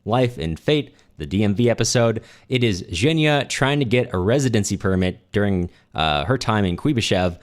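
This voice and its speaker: A man's voice: fairly low pitch, animated, normal speed, few pauses. A man hosting a podcast, talking through literature in a casual, conversational way. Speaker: podcast host.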